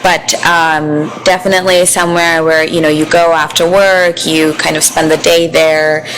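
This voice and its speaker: A woman's voice: deep voice, little pitch movement, normal speed, a bit bright, a little hiss or hum, poor audio. A young woman, born in India and raised in Houston, chatting as a podcast guest about her work as a lawyer, laughing easily and using many fillers. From born in India, raised in Houston, Texas. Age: young adult. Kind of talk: casual chat.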